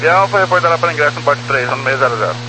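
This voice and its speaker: A man's voice: a little high, expressive, very fast, loud music behind the voice, poor audio. A man speaking as a pilot, making procedural calls and readbacks over an aviation radio. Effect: aviation radio transmission.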